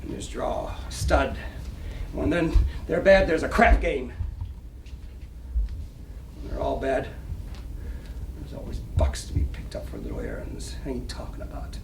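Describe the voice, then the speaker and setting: A man's voice: mid-range voice, wildly swooping pitch, unhurried, vocal fry, long pauses, heavily acted. A man acting a boastful middle-aged small-time Broadway gambler in a dramatic stage reading, slangy, chuckling and garrulous. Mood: confiding, swaggering. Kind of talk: dramatic stage reading of 1920s American play. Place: library reading room, live reading. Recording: roomy, distant, faintly noisy live recording.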